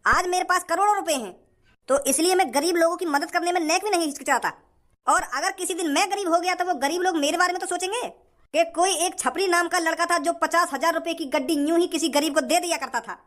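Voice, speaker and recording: A man's voice: extremely high pitch, quick pace, fairly bright tone. A man voicing a brash, rich young man who scolds a shopkeeper and boasts. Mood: boastful. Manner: swaggering, scolding.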